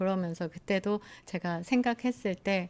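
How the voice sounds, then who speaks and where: This voice belongs to a woman. The rise and fall of her pitch is ordinary. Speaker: political commentator. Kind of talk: casual political talk show. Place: studio. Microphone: studio mic.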